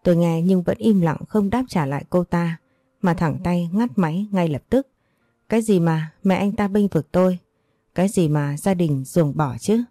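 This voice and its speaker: A woman narrating a dramatic first-person story in a steady, earnest reading voice. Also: fairly low pitch, moderate pace, no room sound, studio quality.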